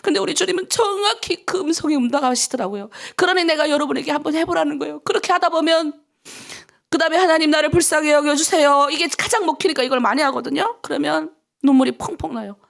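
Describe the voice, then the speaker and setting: Fervent, gravelly-voiced woman pastor from North Korea. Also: high voice, quick pace. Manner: fervent, pleading, shifts between hushed whispers and raised cries. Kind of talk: early-morning prayer sermon.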